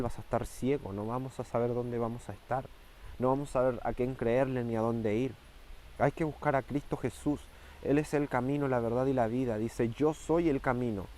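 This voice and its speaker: A man preaching a fervent sermon, repeating key phrases and slowing down and rising for emphasis. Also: mid-range voice, darkish tone, slight background noise.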